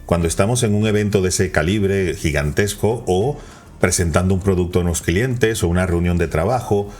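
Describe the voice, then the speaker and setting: A man with a low, deep voice gives a lesson on how to persuade. He speeds up and slows down, lifting and dropping his tone to stress key ideas, with soft music under him. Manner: lively, varies pitch and pace for emphasis. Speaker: communication coach. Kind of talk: instructional talk on persuasion.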